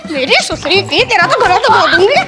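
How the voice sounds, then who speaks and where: A woman's voice: very high voice, very animated, normal speed, loud music behind the voice. A woman playing a quarrelsome village wife in a comedy sketch, speaking in a bossy, scolding way. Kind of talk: rural comedy sketch acting.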